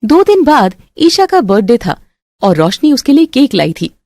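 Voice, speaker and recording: Expressive high-voiced woman storyteller. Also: moderate pace, no room sound, clean studio sound. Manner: dramatic, switches between calm narration and quarrelsome voices. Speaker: narrator and voice of several women. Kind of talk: Hindi family-drama storytelling with voiced parts.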